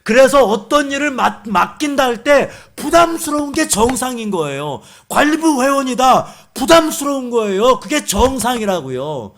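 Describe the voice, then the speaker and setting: A man's voice: very high voice, very animated, moderate pace, hardly any pauses, a bit bright. A man preaching a sermon as a guest pastor, firing rhetorical questions and leading the congregation in reading aloud.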